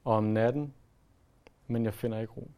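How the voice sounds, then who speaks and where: A man preaching a sermon in an earnest way, pressing his points hard and then letting his voice fall soft. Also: mid-range voice, steady tone. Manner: earnest, rises to emphatic then drops to soft.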